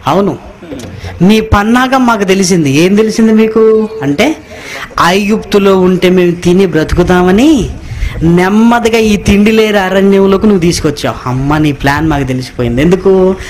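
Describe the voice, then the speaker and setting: A man's voice: high voice, moderate pace, a little mellow, a little hiss or hum. A man preaching a sermon, asking the congregation rhetorical questions and repeating phrases for emphasis. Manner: reads scripture line by line, echoing the congregation.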